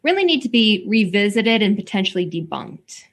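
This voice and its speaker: A woman with a medium-pitched voice hosts an interview podcast. She puts questions to her guests in a conversational, professional way. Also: very animated, moderate pace. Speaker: interviewer, host.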